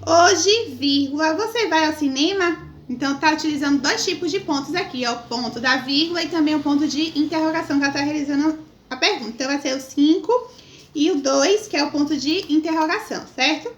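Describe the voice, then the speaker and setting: A Brazilian woman teaching a primary school lesson, dictating phrases and punctuation marks slowly and often checking in with short tag questions. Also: high-pitched, dull audio. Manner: dictating, reading out slowly and spelling out each mark. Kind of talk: lesson going through punctuation exercises. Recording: roomy, echoing sound.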